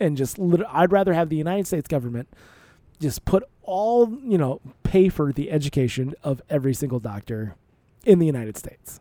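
The speech moves at a fairly quick pace, broken by long, frequent pauses. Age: 30s. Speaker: podcast co-host. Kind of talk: casual chat.

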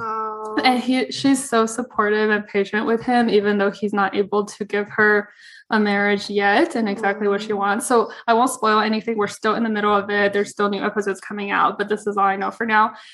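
A normal speaking voice from a woman, fairly high in pitch, at a fairly quick pace with hardly any pauses and fairly even intonation, over a quiet background. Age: 20s. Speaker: podcast host. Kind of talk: casual interview chat.

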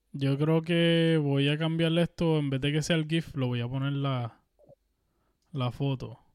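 Here a man talks at a fairly slow pace in a plain, everyday voice. His pitch is fairly high and his intonation fairly even. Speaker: podcast co-host. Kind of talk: casual chat.

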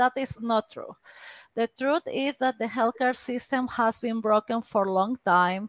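At a fairly slow pace and with fairly even intonation, the voice has a dry, close sound with no echo. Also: woman, fairly high pitch for a woman. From Peru. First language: Spanish. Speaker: physician and author. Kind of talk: interview. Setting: video call.

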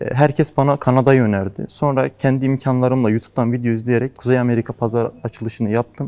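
With a dark, mellow tone, a man speaks at a medium pitch and fairly even intonation, in a dry, close sound with no echo. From Ardahan, northeastern Turkey. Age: 20s. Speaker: online seller. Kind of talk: interview.

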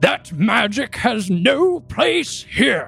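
A put-on character voice at a fairly high pitch leaps through very wide pitch swings. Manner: commanding, stern.

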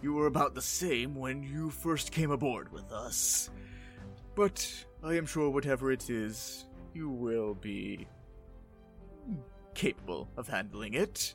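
A man speaks in a put-on character voice at a medium pitch, moving at a fairly slow pace with long, frequent pauses while clear music plays in the background. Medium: actual play. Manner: warm, reassuring.

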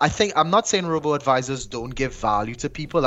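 A man with a Trinidadian accent. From Trinidad and Tobago. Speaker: tech startup founder. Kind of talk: interview.

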